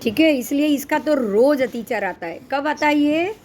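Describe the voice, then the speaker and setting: Middle-aged woman, high pitch, scripture teacher who quizzes her class, faint background hiss. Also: animated. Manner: explains slowly, keeps quizzing listeners. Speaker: religious teacher. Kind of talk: scripture lesson.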